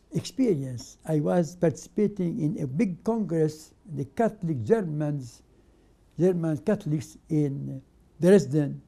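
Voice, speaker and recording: An older man whose first language is Arabic, presenting a religious program as a patriarch and giving a sermon in short, emphatic phrases with many pauses. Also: fairly high pitch, vocal fry, dark tone. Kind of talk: slow spoken sermon.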